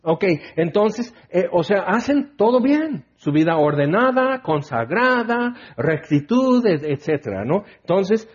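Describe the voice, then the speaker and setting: Guy preaching a sermon, kinda husky voice, chatty and animated, asks the crowd questions, dull lofi audio. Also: high-pitched, unhurried, few pauses. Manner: animated, asks the listener questions and reads scripture aloud. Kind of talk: conversational sermon. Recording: dull lo-fi recording.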